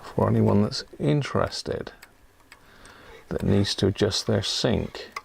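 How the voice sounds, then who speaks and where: A man's voice: lowish voice, slow pace, creaky, slight background noise. A man giving casual live commentary as he does electronics repair, chatting and half muttering to himself while he works.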